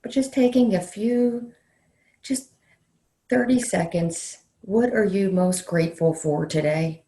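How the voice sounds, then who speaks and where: A woman leading a guided meditation in a slow, soothing way, leaving long pauses between phrases. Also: medium pitch, warm tone. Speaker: meditation leader, counselor educator. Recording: roomy, echoey sound.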